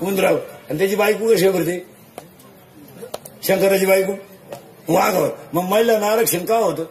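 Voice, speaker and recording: A man's voice: sits high, normal speed, slight background noise. A man preaching a comic devotional sermon, peppering a live audience with jokes and rhetorical questions. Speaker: kirtan preacher. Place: live gathering before an audience. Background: crowd of listeners.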